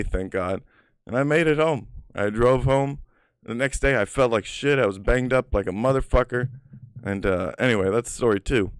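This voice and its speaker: Man, casual storyteller, rambling and profane, lots of filler words, smooth clear voice. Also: medium pitch, dry recording, studio quality.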